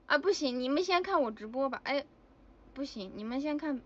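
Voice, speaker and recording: A woman's voice: sits high, lively intonation, moderate pace, darkish tone, no room sound, highs cut off. A woman chatting casually with fans on a livestream, giggly and exclamatory. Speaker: idol livestreamer. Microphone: phone.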